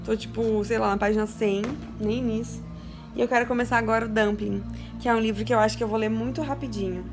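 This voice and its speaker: Young woman from Brazil, casual vlog host, chatty and emotional, gravelly fry, recorded at home. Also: on the high side, steady tone, quick pace, over music. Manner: chatty, emotional, laughs and cries with joy. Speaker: book vlogger. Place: home, her bedroom.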